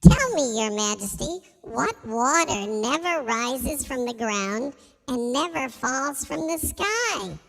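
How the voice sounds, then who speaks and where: A man voicing a bold, wise little hoopoe bird from a storybook in a creaky, high voice, speaking formally in an echoey hall. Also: expressive, a bit bright, heavily acted. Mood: solemn riddling. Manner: deliberate, formal riddling. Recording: echoey hall with long reverb.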